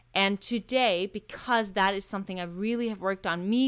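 A woman with a Danish accent, medium pitch and fairly even intonation, on a very clean recording with a silent background. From Denmark. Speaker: guest, dancer and model. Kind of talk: casual interview chat.

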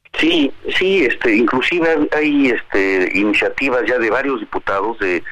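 A man speaks at a fairly slow pace with lively intonation, over noticeable background noise. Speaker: legislator. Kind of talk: radio interview.

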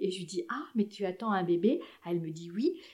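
A woman's somewhat breathy, dark and mellow voice at medium pitch and a fairly quick pace. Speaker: former expat in the US. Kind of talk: casual chat.

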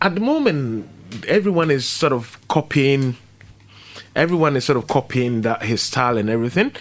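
Noticeable background noise sits behind a man with a medium pitch. He talks at a moderate pace with very wide pitch swings. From Ghana. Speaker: painter. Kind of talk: interview. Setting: radio studio.

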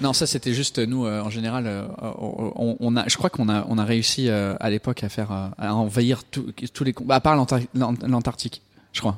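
The speaker is a man using fairly even intonation. His pace is moderate. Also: medium pitch for a man. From England. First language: English (speaking French). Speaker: stand-up comedian and YouTuber. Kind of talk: casual interview. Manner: halting, repeats words.

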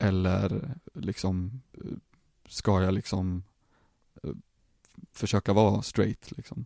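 A man with a dark, mellow tone and fairly low pitch talks at a fairly slow pace with ordinary pitch variation, in a dry, close sound with no echo on a very clean recording with a silent background. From Sápmi (Sami background). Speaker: Sami guest discussing a book. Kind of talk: casual chat. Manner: halting.

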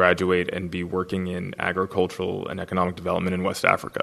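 Very fast, very deep and low, this man's voice has a bright, sharp tone. His intonation stays monotone and flat. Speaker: non-profit executive director. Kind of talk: interview.

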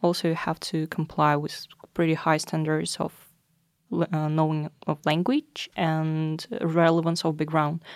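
In a very clean recording with a silent background, a woman with a Russian accent speaks at a fairly slow pace in a very deep, low voice with monotone, flat intonation. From Russia, St. Petersburg. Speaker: master's student. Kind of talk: interview.

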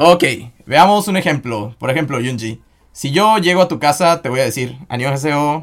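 At a moderate pace, a man with an unremarkable speaking voice uses lively intonation at a fairly high pitch. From Mexico. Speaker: language teacher podcast host. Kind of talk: language lesson.

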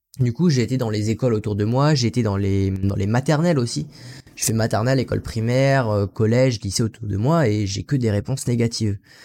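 Speaking at a fairly quick pace, a man has a dark, mellow tone and a medium pitch. His pitch varies in an ordinary way. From France. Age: 20s. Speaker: teacher. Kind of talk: casual interview.

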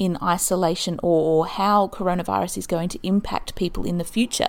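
On a very clean recording with a silent background, a woman speaks with an Australian accent. Her pitch is medium, her pace moderate and her intonation fairly even. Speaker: stoma nurse and podcast host. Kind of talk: solo informational podcast. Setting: at home on couch.

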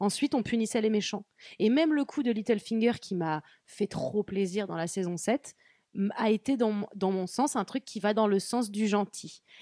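Dry and close with no echo, a woman's fairly high, dark, mellow voice moves at a fairly slow pace with ordinary pitch variation. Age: 20s. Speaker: actress and screenwriter. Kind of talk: casual chat. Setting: live stream.

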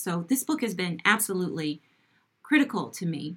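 Speaking in a plain, everyday voice with an American accent, a woman talks at a fairly quick pace and a medium pitch. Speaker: novelist. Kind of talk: interview chat. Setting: video call.

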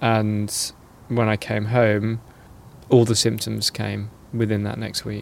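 Long, frequent pauses break up a man's very slow speech. His fairly low voice stays monotone and flat. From Norwich, eastern England. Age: 30s. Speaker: teacher, interviewee on health experience. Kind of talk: personal testimony interview.

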